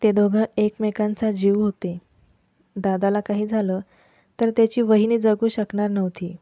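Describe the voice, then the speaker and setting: A woman's voice: mid-range voice, little pitch movement, measured pace, dry recording. A woman narrating her own serialized family drama, reading steadily and giving each character a voice of her own. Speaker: storyteller. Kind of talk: reading a self-written serial story. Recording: dull lo-fi, dry close mic.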